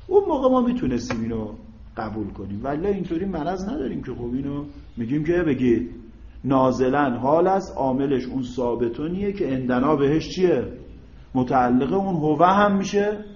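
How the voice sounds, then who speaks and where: Male teacher, fairly high voice, lecturing and quizzing his class; dull, roomy classroom recording. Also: sing-song, a little mellow. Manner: explains step by step, prompting students to fill in words; asks rhetorical check questions. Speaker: Arabic grammar teacher.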